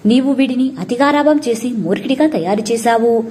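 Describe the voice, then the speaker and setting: A woman's voice: fairly high pitch, moderate pace, warm tone, a little hiss or hum, lightly acted. A woman voicing a stern, proud Brahmin scholar who scolds his wife and son, in a storybook reading. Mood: angry.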